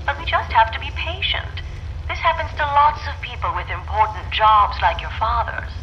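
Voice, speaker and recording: A woman's voice: on the high side, moderate pace, slight background noise, close to an everyday voice. A woman playing a genteel, patient mid-century housewife and mother in a retro radio drama. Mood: gently firm. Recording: muffled old radio, music behind.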